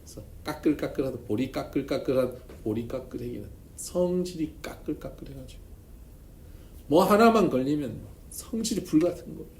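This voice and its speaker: A male pastor preaches at a seminar, his pitch swinging freely as he tells humorous stories. His tone is dark and mellow. The church room echoes, with a faint hiss underneath. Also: lively intonation, moderate pace. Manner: storytelling with humor, emphatic swings in loudness. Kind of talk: seminar sermon.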